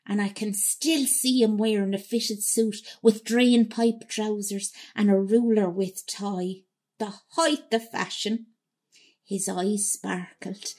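Slow, husky Irish woman reminiscing. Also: mid-range voice, a little mellow. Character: Molly, romantic Irish woman fondly recalling her youth. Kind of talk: radio drama monologue, reminiscing.

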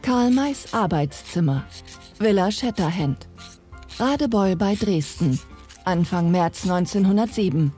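A woman reading scene headings in a crisp, matter-of-fact way. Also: mid-range voice, animated, measured pace, dark tone, soft background music. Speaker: scene announcer. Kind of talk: scripted scene announcement.

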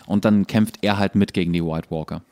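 A man with a fairly low voice speaks as a podcast co-host. He explains things in a casual, conversational way, often pausing to search for the next bit. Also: steady tone, a little mellow. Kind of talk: casual chat, explaining a TV series.

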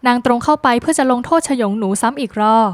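A woman narrating a scripted drama plot recap in a brisk, lively storytelling manner with dramatic phrasing. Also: on the high side, no room sound.

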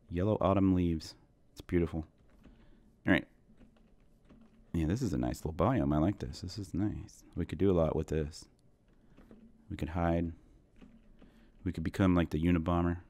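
This is casual let's play commentary on Minecraft from a gaming host in his thirties who is a little unwell, his voice turning hoarse as he rambles and pokes fun at himself for viewers. His deep voice is slightly mellow, with no room sound.

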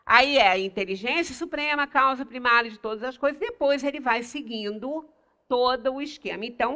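Older brazilian woman teaching a study group, high bright voice, leans hard on single words, small room mic. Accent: Brazilian Portuguese. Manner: explanatory, stresses single words with long pauses. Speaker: lecturer at a spiritist center. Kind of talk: religious study talk. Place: small meeting room, indoors.

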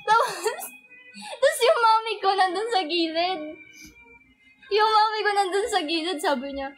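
Young female livestream host, very high voice, chatty storyteller who giggles a lot, with clear background music. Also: expressive, unhurried. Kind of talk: casual livestream chat.

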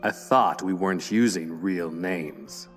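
A man's voice: sits low, slow pace, a bit bright. An actor playing a sullen, grudgingly obedient criminal henchman in an audio drama. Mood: sulky, curt. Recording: long reverberant space, faint music underneath.

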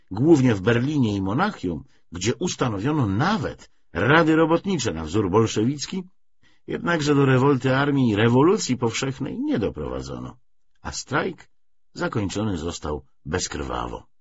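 A man reading a historical novel aloud as an audiobook narrator, in an expressive, scripted literary style. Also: lowish voice, slightly rough. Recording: dull, lo-fi audiobook recording.

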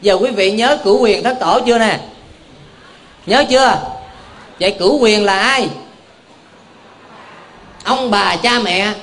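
A man's voice: high voice, slow pace, pauses often, a bit bright, a little hiss or hum. A male Buddhist monk gives a folksy, joking dharma talk, constantly tossing questions back to a live audience in a temple hall. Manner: keeps quizzing the audience with call-and-response questions; homely, joking, folksy preaching.

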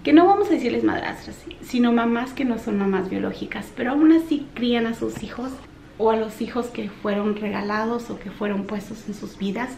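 A woman in her thirties, a mom vlogger telling a story in an animated, chatty way, talking straight to her viewers. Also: a little high, normal speed, vocal fry. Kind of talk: casual storytelling vlog. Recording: echoey room with faint noise.

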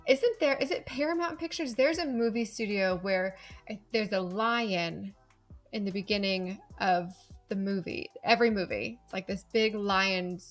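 A woman's voice: mid-range voice, moderate pace, soft background music. A woman hosting a podcast, curious and asking many questions. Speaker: podcast host. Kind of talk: casual podcast chat.

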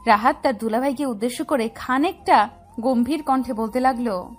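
A woman narrating a scripted family story in a steady, descriptive way. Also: fairly high pitch, normal speed, faint music behind.

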